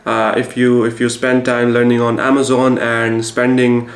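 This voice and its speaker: A man with a Pakistani accent talks casually to the camera as a video host, in a halting way with repeated words. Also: mid-range voice, completely flat delivery. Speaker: YouTube host and Amazon business instructor. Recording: echoey room with faint noise.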